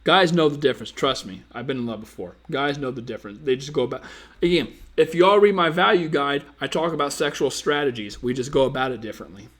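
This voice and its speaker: A man's voice: mid-range voice, quick pace, a bit bright. A man hosting a dating-advice live stream, casually reading viewer comments and teasing them in a playful, slangy way.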